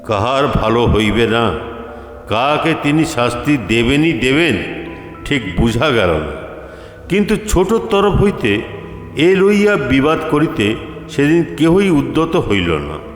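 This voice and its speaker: A man's voice: mid-range voice, big pitch swings, slow pace, long pauses. A man narrating a literary story from a script, with echo on his voice and music behind. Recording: echoey reverberant room, music behind.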